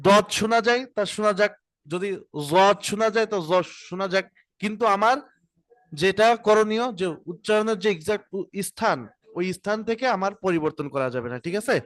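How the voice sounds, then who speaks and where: A man with a fairly high voice leads an online recitation class. He patiently models each letter sound and has his students echo it back. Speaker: Quran recitation teacher. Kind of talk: online class, pronunciation drills.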